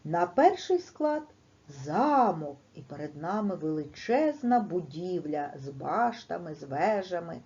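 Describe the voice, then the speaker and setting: Slow, sing-song woman teacher, dull recording. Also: fairly low pitch. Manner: slow and deliberate, stressing words emphatically; lively, sing-song delivery for children. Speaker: primary school teacher. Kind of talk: teaching a lesson to young children.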